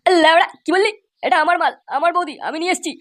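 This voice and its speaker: Cartoon lad for an actress: cocky hustler, high voice, extremely quick, foul-mouthed, loud music behind. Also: female voice. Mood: defiant. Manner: crude, cheeky. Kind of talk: comic cartoon dubbing.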